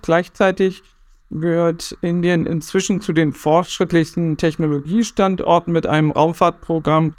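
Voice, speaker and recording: Brisk man moderating an interview. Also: a little high, dry recording. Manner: brisk, reads prepared questions. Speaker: host.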